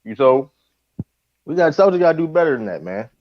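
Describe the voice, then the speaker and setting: A man arguing basketball on a live call-in show, animated and profane, talking over the others. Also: on the high side, fairly quick, no room sound, dull audio. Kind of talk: heated sports debate.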